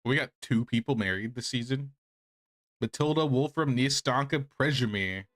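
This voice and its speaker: Over game music, a streamer thinks aloud as he plays, offering casual, rambling commentary. His voice is medium-pitched and slightly bright, moving at a normal speed.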